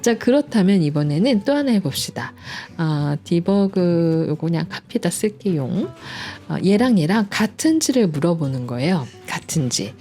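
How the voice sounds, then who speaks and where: A woman's voice: fairly low pitch, animated, moderate pace, hardly any pauses, mellow, soft background music. A woman teaching a programming lesson at home, playful and cheerful, patiently walking through each step. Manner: playful, cheerful, sound effects like "짠짠짠"; chatty and patient explaining. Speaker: coding instructor. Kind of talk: screen-recorded programming lesson.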